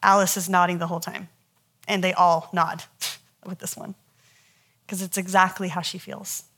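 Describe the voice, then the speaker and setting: A woman, a Christian counselor, teaching a live workshop in a conversational, animated way and telling stories from her practice. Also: fairly low pitch, moderate pace. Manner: conversational, animated storytelling with frequent laughs.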